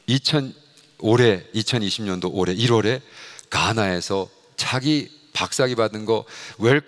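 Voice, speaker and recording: A middle-aged pastor and missionary preaches a sermon as animated storytelling, acting out dialogue and sometimes shouting. His voice sits on the low side.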